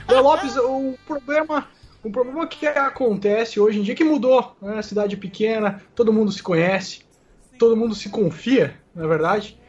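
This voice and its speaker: Homem de voz aguda, gravação abafada. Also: male voice, very high voice, moderate pace, lo-fi sound. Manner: joking, stammers on restarts. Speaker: podcast panelist. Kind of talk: casual podcast chat.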